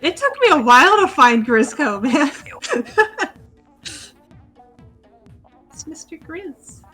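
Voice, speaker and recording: A woman's voice: high voice, big pitch swings, slow pace, sharp tone, soft background music. A woman streaming a game while patiently coaching a newcomer, giving instructions and laughing often. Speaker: experienced player coaching a newcomer. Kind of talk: casual game stream chat.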